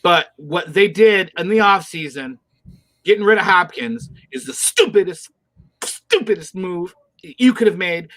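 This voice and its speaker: A man's voice: high voice, a little slow, fairly bright tone, no echo, poor audio. A middle-aged man from Michigan, co-hosting a casual football picks show and ranting bluntly about teams. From Michigan, USA. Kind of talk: casual sports chat.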